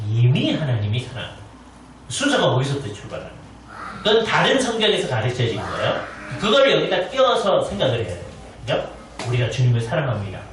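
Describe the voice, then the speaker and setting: A man's voice: high-pitched, fairly bright tone. A man preaching at a church Bible conference in a conversational way, often asking the congregation whether they follow. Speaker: guest preacher, professor. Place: church sanctuary. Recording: very echoey church hall, distant mic, faint noise.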